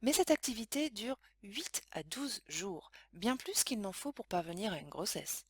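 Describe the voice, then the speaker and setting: A woman reading scripted science lesson narration in a measured, explanatory way. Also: medium pitch, lively intonation, husky, no room sound. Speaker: educational narrator.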